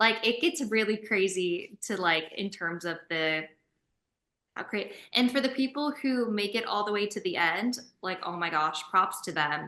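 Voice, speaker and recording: A woman speaks at a fairly slow pace with an American accent, her pitch medium and her intonation lively. Her tone is bright and sharp, and the background is quiet. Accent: Southern US, largely covered. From Mississippi, US South. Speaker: reality TV contestant. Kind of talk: interview. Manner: animated.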